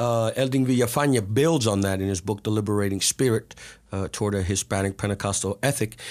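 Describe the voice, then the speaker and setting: Very fast delivery from a man with a fairly low pitch and ordinary pitch variation. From New Jersey, US. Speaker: pastor. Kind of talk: interview.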